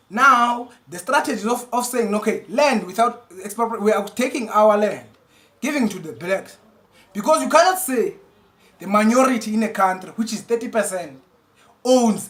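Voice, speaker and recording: With a South African accent, a man talks in a high pitch, and his loudness swings widely. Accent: Xhosa-accented English. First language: Xhosa. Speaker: vlogger. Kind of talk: political rant. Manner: halting; impassioned.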